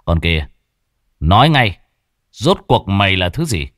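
A stern young sorcerer barks demands at a demon, loud and clipped, as a male narrator plays him. His voice sits low, with a lively pitch. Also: a little slow, no room sound, studio quality, full character voice. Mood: demanding.

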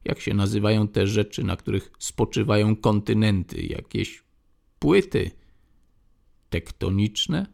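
A man's voice: fairly low pitch, a little slow, creaky, a little mellow, heavily acted. A man reading an audiobook, voicing an old male prison inmate who gives cryptic, ominous warnings. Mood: knowing. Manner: ominous, knowing. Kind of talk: audiobook character voice.

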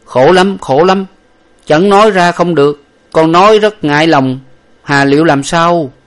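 A man's voice: fairly high pitch, unhurried, pitched above the performer's own voice, lightly acted. A man voicing a frightened young male servant who stammers and pleads in tears. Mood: wailing, frightened. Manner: wailing, stammering pleas.

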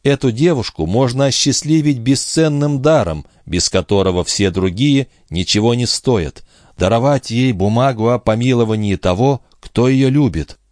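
A man reading a storybook aloud, voicing a sorrowful, selfless young gypsy woman in a soft, earnest tone. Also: medium pitch, lively intonation, normal speed, no echo, clean studio sound, pitched above the performer's own voice, natural voice. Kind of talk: audiobook reading.

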